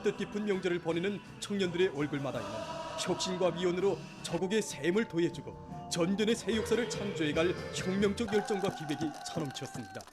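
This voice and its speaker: Man, North Korean accent, fairly high voice, formal declamatory state news narration, music underneath. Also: brisk, hardly any pauses. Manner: solemn, fervent declamatory state-broadcast delivery. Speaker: news announcer.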